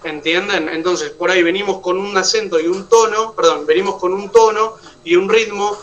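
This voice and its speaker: The recording is muffled and the mic sits far away, but the man's voice comes through high, steady, and a bit bright at a moderate pace. Speaking with an Argentine Spanish accent, he lectures an online oratory class, explaining each step and confirming his students follow.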